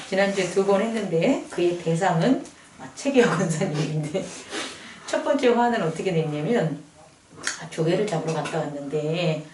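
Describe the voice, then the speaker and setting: A woman's voice: on the low side, roomy sound, recorded from a distance, background noise. A woman pastor preaching a sermon in a conversational way, often asking the congregation questions. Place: church sanctuary.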